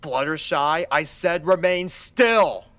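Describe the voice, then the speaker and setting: A man's voice: a little high, animated, takes it slowly, pitched above the performer's own voice. A man voicing an alarmed male pony doctor who snaps out stern orders in a horror story. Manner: sharp, commanding.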